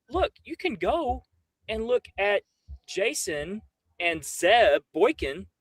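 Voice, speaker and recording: A man's voice: sits high, a bit bright, no echo. A man talking on a casual livestream in an emphatic, incredulous, slangy way, swearing freely as he rants. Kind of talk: animated casual livestream rant.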